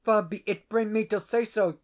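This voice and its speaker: A man's voice: a little high, fairly even intonation, moderate pace, darkish tone, pitched above the performer's own voice, natural voice. A man voicing a desperate, pleading Scottish tenant who speaks in broad Scots dialect. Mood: defensive.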